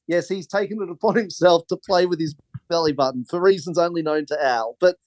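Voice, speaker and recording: A man's voice: fairly high pitch, fairly quick, darkish tone, no echo. A man, a film director, rambling through anecdotes in a casual interview and laughing often.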